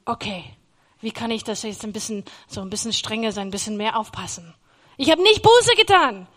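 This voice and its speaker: High-voiced woman giving a faith testimony. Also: lively intonation, fairly quick. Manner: earnest, storytelling, acts out her own past words; grows loud and emphatic in emotional passages.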